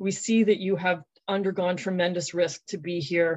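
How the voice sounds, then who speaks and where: A woman with a fairly low pitch, fairly even intonation and a normal speaking voice, against a quiet background. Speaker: nonprofit volunteer leader. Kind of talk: casual interview chat. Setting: office.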